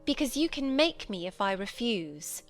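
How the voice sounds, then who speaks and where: A man voicing a defiant, sullen young woman who answers coldly, with soft music underneath. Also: very high voice, sing-song, moderate pace, voice pushed up, exaggerated voice. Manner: cold, defiant.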